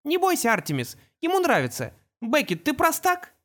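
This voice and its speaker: A man voicing a small, clever, self-satisfied boy in a high voice for an audiobook. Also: wildly swooping pitch, normal speed, a bit bright, exaggerated voice. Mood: smug.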